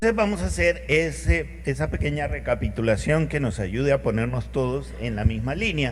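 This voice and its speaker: A man speaks at a fairly low pitch and a fairly slow pace. Audible room echo surrounds his voice. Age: 60s. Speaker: preacher. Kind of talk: sermon.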